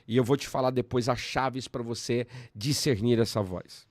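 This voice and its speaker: A Brazilian man, a pastor, teaching in conversation, switching between emphatic bursts and calm explanation. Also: medium pitch, normal speed, dry recording, clean studio sound. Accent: Brazilian Portuguese.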